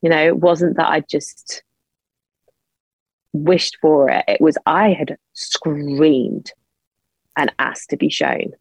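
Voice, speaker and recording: A woman's voice: steady tone, dry recording, rough recording. English woman guest, 30s, raw personal storytelling, dry close sound. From England. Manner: emotional, quick bursts of speech rising high when angry.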